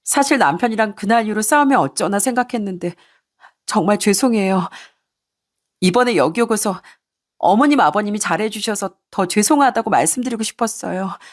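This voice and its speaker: A woman's voice: medium pitch, expressive, a little fast, lightly acted. A woman playing a stammering, apologetic young wife. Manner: hesitant, apologetic.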